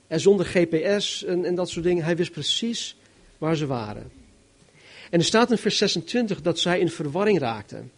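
Animated Dutch-speaking male preacher. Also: on the high side, moderate pace. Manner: animated, emphatic, varies loudness widely. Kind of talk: sermon, Bible exposition.

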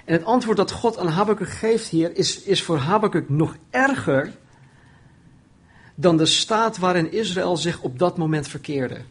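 A man preaching a sermon, often raising his voice when quoting pleas and dropping low and quiet on solemn points. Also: measured pace, husky. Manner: animated, voices the prophet's pleading with rising pitch.

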